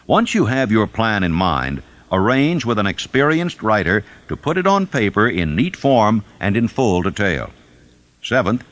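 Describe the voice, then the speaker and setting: A man reading a self-help book as a scripted narration, deliberate and emphatic in his delivery. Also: lowish voice, a bit bright. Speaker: audiobook narrator.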